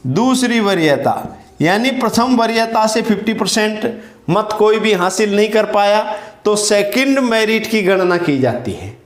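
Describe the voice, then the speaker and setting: High-pitched, slow, emphatic male teacher. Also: animated, echoey room. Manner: emphatic, repeats key words and quizzes students. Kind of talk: exam-prep lecture with memory tricks.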